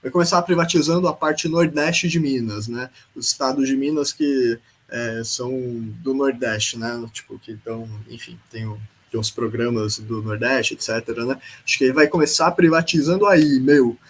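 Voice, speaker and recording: A man's voice: mid-range voice, steady tone, moderate pace, few pauses, slight background noise, natural voice. A man putting on a smug rich São Paulo guy. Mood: mocking. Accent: São Paulo, upper-class. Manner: mocking, exaggerated. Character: smug wealthy São Paulo businessman, mocked.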